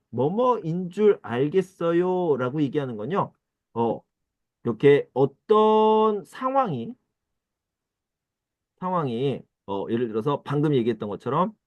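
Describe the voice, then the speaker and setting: Lively Korean teacher, dry close mic. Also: male voice, no echo, dull audio. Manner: acts out little dialogues in a higher, excited voice; repeats phrases slowly for learners. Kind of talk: online grammar lesson.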